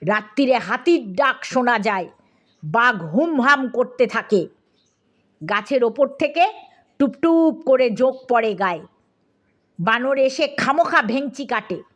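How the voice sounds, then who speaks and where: Woman storyteller, comic audiobook narration, high voice, unhurried, lively. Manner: lively, comic, addressing listener.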